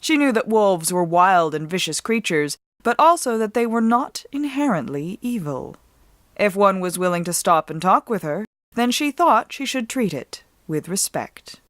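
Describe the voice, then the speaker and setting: A woman giving a dramatic, measured storybook narration, reading as an author with deliberate expression. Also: mid-range voice, sing-song, no room sound, clean studio sound.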